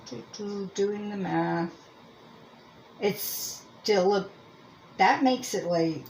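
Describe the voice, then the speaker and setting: Here the crochet and yarn host speaks in a lowish voice over poor audio with a little background noise. A Lancaster County, Pennsylvania native with a Pennsylvania Dutch American accent, she rambles through a casual product review, thinking aloud and being self-deprecating.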